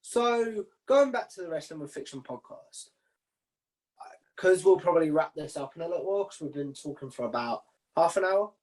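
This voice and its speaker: A man's voice: on the high side, expressive, moderate pace, a little mellow, low-quality recording. A man hosting a casual interview in an informal, matey, conversational way. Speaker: interviewer, video channel host.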